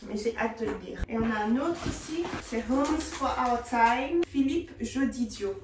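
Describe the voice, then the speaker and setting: A young woman chatting casually to her viewers in a vlog, excitable, slipping in English slang. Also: fairly high pitch, a little slow, reverberant, distant mic, background noise. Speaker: vlogger.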